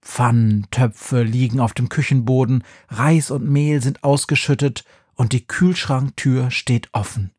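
A man narrating a children's story in a calm, measured way. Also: medium pitch, breathy edge, dry recording, studio quality. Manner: calm, slow, measured reading.

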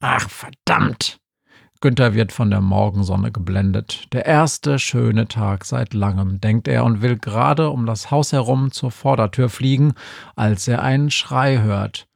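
A man's voice: mid-range voice, measured pace, vocal fry, darkish tone, dry recording. A man reading an audiobook in a dry, matter-of-fact storytelling manner. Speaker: narrator. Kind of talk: audiobook narration.

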